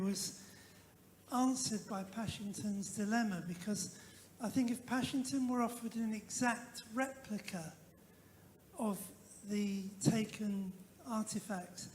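A woman academic making a measured, reflective comment from the audience at a conference. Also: mid-range voice, a little mellow. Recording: echoey hall, long reverb, faint noise.

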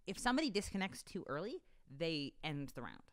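A young adult woman co-hosting a podcast at home, talking in a rambling, animated way full of fillers, close to a desk mic. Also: sits low, fairly quick. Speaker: podcast co-host. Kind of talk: casual chat. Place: home studio room with bookshelves. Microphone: desk broadcast mic on boom arm.

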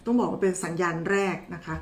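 A woman's voice: fairly low pitch, fast talker. A woman doctor giving a casual, chatty health explainer, talking to viewers in a familiar, teasing way. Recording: roomy echo.

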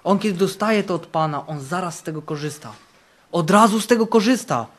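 A male camp preacher in full sermon mode, his fairly high voice rising for bold declarations and dropping for quiet, earnest passages. He drives points home by repeating key phrases. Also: expressive, brisk. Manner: fervent, repeats phrases for emphasis, swings between loud and hushed. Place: camp meeting.

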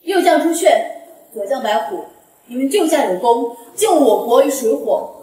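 An actress playing an authoritative empress in a screen drama, making formal, stately proclamations. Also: female voice, sits high, lively intonation, normal speed, warm tone. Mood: stately, commanding. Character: regal, authoritative reigning empress. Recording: very echoey room, distant, faint noise.

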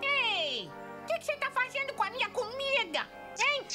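An actor voicing an excitable, easily irritated woodpecker in a dubbed cartoon, exclaiming theatrically. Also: extremely high pitch, normal speed, over loud music. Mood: indignant.

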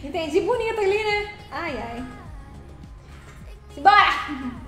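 A woman's voice: very high-pitched, lively intonation, slow, sharp tone, echoey room, soft background music. A woman chatting on a live stream, playfully teasing viewers and thanking them by name, now and then singing a short phrase. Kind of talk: casual live-stream chat.

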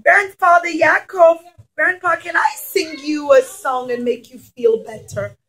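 A woman voicing a gentle, caring young granddaughter who loves music, in a puppet story. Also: high voice, fairly even intonation. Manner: gentle, often slow singsong.

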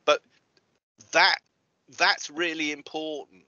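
A man's voice: a little high, little pitch movement, takes it slowly, pushed and bright, no echo. A middle-aged man in a casual discussion on a video call, speaking into a headset with lo-fi sound. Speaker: co-host in a two-person online chat. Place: cluttered indoor room, video call. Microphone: headset boom mic. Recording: dull, lo-fi headset call audio.

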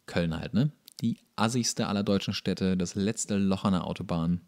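A man's voice: low-pitched, moderate pace, a little mellow. A man co-hosting a podcast in casual, sardonic banter. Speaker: podcast co-host. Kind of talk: casual chat, banter while watching TV.

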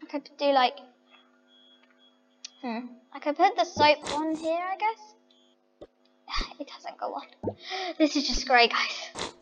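A woman's voice: high-pitched, lively intonation, slow, long pauses, big-room sound, over music, low-quality recording. A woman chatting to her viewers as she decorates a house in a game, thinking aloud. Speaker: vlogger. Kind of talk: casual game commentary.

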